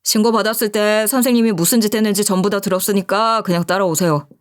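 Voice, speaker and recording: A woman's voice: mid-range voice, fairly even intonation, fast talker, close to an everyday voice. A woman voicing a firm male police officer who speaks formally.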